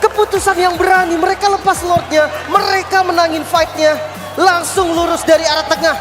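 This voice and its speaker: A man's voice: extremely high pitch, flat delivery, a little fast, over a noisy crowd. A man working as an esports caster, giving live analytical commentary on a match. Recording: hall reverb with music behind. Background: music.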